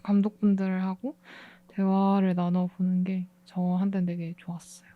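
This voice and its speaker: Mid-pitched woman in a dry recording. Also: completely flat delivery, normal speed, no echo, phone-quality sound. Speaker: guest animation director. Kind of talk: casual interview chat.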